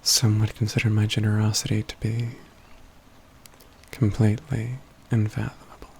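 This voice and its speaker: A man playing an aloof, proud mage companion in a soft, intimate ASMR roleplay, with formal, measured phrasing and dry teasing. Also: lowish voice, monotone, creaky, slight background noise. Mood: aloof, dryly amused. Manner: formal, measured, haughty phrasing with hushed stretches.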